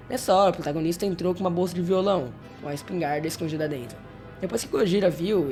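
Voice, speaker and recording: A man's voice: fairly high pitch, a little mellow. A man with a Brazilian accent narrates a story recap as a video host, in a casual scripted style with informal, wry asides. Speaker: YouTube host narrating horror series recaps.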